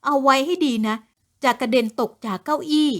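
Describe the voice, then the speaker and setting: A woman playing a shrill, haughty young villainess. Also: fairly even intonation, extremely slow, full character voice. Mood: defiant. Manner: shrill, indignant, yelling. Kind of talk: audiobook character voice.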